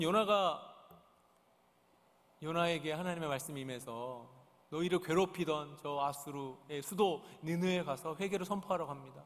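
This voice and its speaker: Male pastor, sermon, high voice, earnest questioning, church sanctuary, long reverb. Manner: earnest, asks the congregation questions. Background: congregation present.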